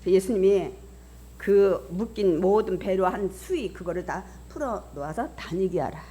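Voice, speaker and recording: Animated woman pastor preaching. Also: mid-range voice, unhurried. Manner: animated preaching, acting out voices of Bible figures. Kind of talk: sermon.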